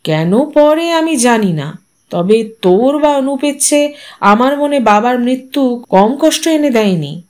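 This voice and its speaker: A woman voicing a principled, quietly defiant middle-aged eldest son in an audio story, deliberate and reasoning. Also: a little high, animated. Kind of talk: audio story character reading.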